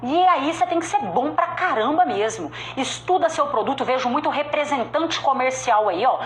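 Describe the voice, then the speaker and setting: A fairly high-voiced woman with a strong regional Brazilian accent drives home a motivational sales talk, emphatic and direct. Her voice rings out in an echoey room, with faint ambience behind her. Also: animated, normal speed, slight background noise. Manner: emphatic, direct, repeats key points. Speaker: sales speaker.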